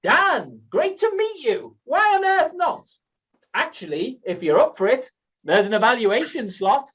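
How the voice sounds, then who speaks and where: A man voicing a chirpy, welcoming online club host from Canada with brisk, gushing politeness, in comic storytelling. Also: very high voice, big pitch swings, a bit bright, slightly rough, far from the mic, dull audio, heavily acted. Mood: breezy.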